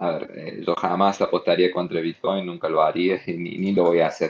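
A man talks at a moderate pace. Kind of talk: casual chat.

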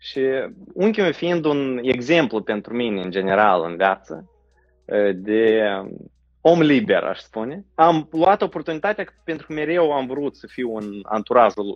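Pitch swinging very widely, a man talks at a fairly slow pace. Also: medium pitch for a man. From Moldova, Orhei. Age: 30s. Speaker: entrepreneur. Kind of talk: interview on a live stream.

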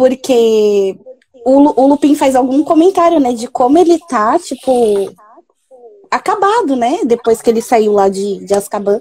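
With a high voice and very wide pitch swings, a woman talks at a fairly slow pace. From Brazil, São Paulo. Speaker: religious community member. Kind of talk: casual chat.

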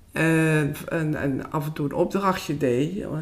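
With lively intonation, a woman speaks at a very deep, low pitch. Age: 60s. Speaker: retired family doctor. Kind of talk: casual interview.

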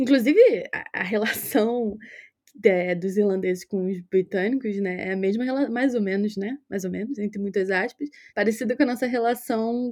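A woman's fairly high voice with a dark, mellow tone, ordinary pitch variation and a moderate pace, dry and close with no echo. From Rio de Janeiro, Brazil. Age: 30s. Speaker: market researcher. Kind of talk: casual interview.

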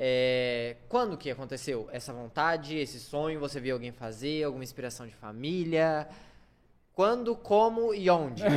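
Big swings in loudness and very wide pitch swings mark this man's fairly high voice. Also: moderate pace. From Londrina, Brazil. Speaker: podcast host. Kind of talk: casual interview chat.

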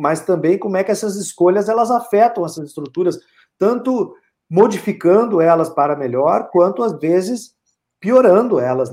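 The recording is very clean, with a silent background. A man speaks at a high pitch in a dark, mellow tone. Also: lively intonation, moderate pace. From Rio Grande do Sul, Brazil (Santo Ângelo), partly raised in Minas Gerais. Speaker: political science professor. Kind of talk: interview. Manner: hesitant, repeats words.

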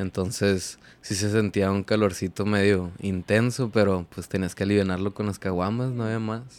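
Here a man speaks with a fairly low pitch and monotone, flat intonation at a moderate pace. The recording is very clean, with a silent background. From northern Mexico, Coahuila (Ciudad Acuña). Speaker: content creator. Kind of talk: casual chat. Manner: halting.

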